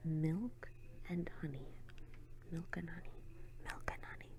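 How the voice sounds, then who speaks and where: Soft-spoken, a woman talks with ordinary pitch variation. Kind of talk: casual talk to camera. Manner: soft-spoken, quiet.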